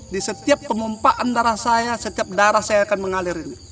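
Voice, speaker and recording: Over noticeable background noise, a man speaks at a moderate pace in a high voice. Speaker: spiritual teacher. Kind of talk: religious talk. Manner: halting.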